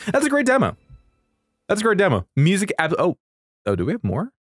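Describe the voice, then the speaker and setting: A young man giving casual, excited reaction commentary, gushing in slangy, lightly sweary speech. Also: high voice, a little fast, breathy edge, no echo, clean studio sound, soft background music. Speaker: video creator reacting to game trailers.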